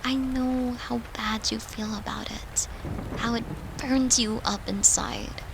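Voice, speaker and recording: A woman playing a devoted, tender girlfriend who soothes her lover in a soft, affectionate, intimate roleplay. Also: on the high side, fairly even intonation, creaky, background noise. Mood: gentle, consoling. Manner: soft, soothing, affectionate, unhurried, at times whispering. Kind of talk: intimate roleplay audio, comforting.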